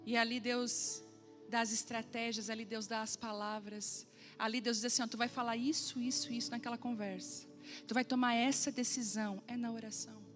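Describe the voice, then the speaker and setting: A woman pastor preaching a sermon, telling a funny personal story and acting out the dialogue with lively humor. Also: fairly high pitch, fairly quick, faint music behind.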